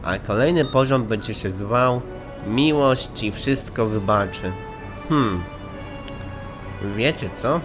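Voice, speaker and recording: Man hosting game commentary, stuffy slightly hoarse voice, middle pitch, game music behind. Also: takes it slowly, long pauses. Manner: chatty, apologetic, easygoing. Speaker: gaming channel host. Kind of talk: let's play commentary.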